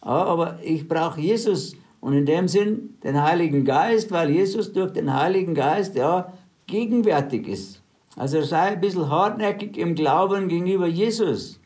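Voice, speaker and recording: A man's voice: a little high, moderate pace, a little mellow. A man preaching a sermon, retelling scripture stories in plain everyday words and urging his listeners on in faith.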